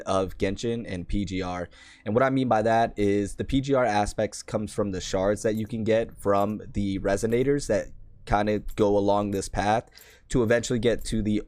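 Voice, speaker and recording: A man with a worn-out, hoarse voice, hosting a casual gaming channel and chatting through a character guide in a rambling, self-deprecating way. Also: fairly low pitch, a little mellow, no room sound. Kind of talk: casual game guide commentary.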